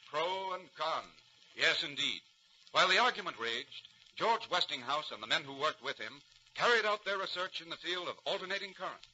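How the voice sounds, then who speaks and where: High, emphatic American radio narrator, male. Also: expressive, fairly quick, bright, forceful tone. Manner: grand, emphatic. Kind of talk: dramatic 1940s radio narration. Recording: muffled 1940s radio recording.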